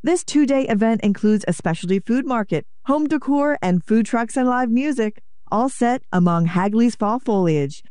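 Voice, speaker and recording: Brief: woman announcer, warm mellow tone, dry close studio sound, sponsor copy. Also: on the high side, animated, moderate pace, no room sound. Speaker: radio announcer. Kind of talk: scripted sponsor reads.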